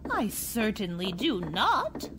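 Woman doing creepy old lady for horror radio play, prim, slow n high, swoopy, music behind. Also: huge pitch swings, a bit bright, a little hiss or hum, heavily acted. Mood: cool, indignant. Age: older. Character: sinister old woman, secretly a monstrous cat creature. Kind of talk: radio horror drama acting.

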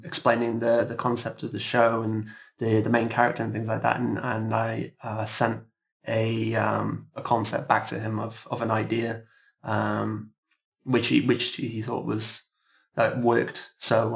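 Halting man with a fairly even tone. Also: lowish voice, vocal fry. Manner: hesitant, halting, often repeats words. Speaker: guest, composer. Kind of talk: casual interview chat.

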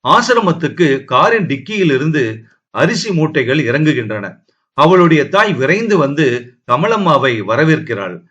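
A man reads a novel aloud in a measured, steady storytelling voice. His voice sits somewhat high for a man. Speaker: audiobook narrator. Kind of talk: novel narration.

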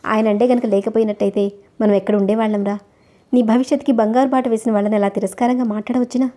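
A widowed mother gently coaxes and reproaches her grown son, as a woman reads her aloud. The voice is mellow and fairly high, the pace brisk. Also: fairly even intonation, close to an everyday voice. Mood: coaxing. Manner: coaxing, reproachful. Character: pleading middle-aged widowed mother.

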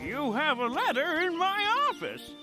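A woman voicing a kindly, fussy old goat in a cartoon, with a folksy, halting manner. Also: high-pitched, big pitch swings, over loud music. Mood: helpful. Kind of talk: children's cartoon acting.

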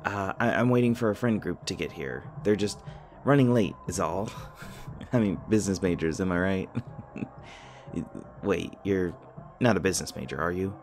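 A man's voice: deep voice, moderate pace. A man playing an anxious, nerdy young college student in an audio roleplay, rambling and stammering self-consciously. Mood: flustered, friendly. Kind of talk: naturalistic audio roleplay acting.

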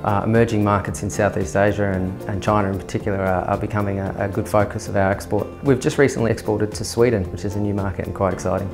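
Low-voiced winemaker in his thirties. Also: level tone. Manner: measured, frequent "um" fillers. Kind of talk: documentary interview. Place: indoor winery tasting room. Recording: music bed underneath.

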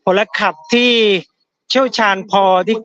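A man's voice: a little slow, a bit bright, highs cut off. A man reporting by live call on a flood, urgently appealing for boats and trailers. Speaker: field reporter. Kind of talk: live phone-in news talk.

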